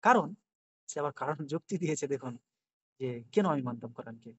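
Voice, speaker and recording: Chatty man with a slightly high voice. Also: animated, fast talker, breathy edge, no echo, muffled recording. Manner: chatty, addresses viewers as brother. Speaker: video creator. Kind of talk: casual commentary on a chat with an AI.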